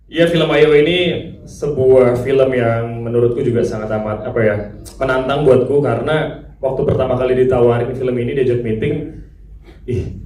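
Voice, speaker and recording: A man's voice: mid-range voice, a little mellow, a little hiss or hum. A man speaking casually at a press conference, chatty and often laughing, recorded in a large hall. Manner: chatty, laughing, mimics others' speech. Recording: echoey hall, mic far off.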